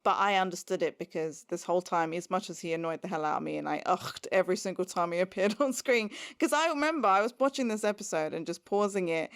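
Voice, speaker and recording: A woman co-hosting a podcast, recapping a TV episode in casual chat, animated and sarcastic with frequent laughs. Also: lowish voice, quick pace, hardly any pauses, smooth. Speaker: podcast co-host.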